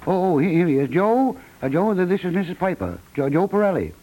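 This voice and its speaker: A man's voice: high voice, sing-song, a little fast, dark tone, slight background noise, low-quality recording. A man playing a flustered, placating decorating contractor who stammers and agrees, in a 1950s radio comedy. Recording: vintage 1950s radio recording.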